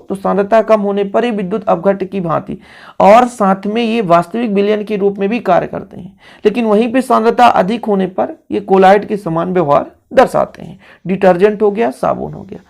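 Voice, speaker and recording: A man's voice: high voice, gravelly. A man teaching a coaching-class chemistry lecture, coaxing his pupils and asking and answering his own questions. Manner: coaxing, keeps checking in with listeners.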